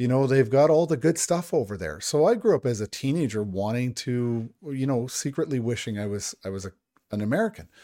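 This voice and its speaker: A man with an Ontario accent at a medium pitch, with a dark, mellow tone, lively intonation and a fairly quick pace, in a very clean recording with a silent background. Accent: Canadian (Ontario). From Niagara Falls, Ontario, Canada. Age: 50s. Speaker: activist and author. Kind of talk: interview conversation.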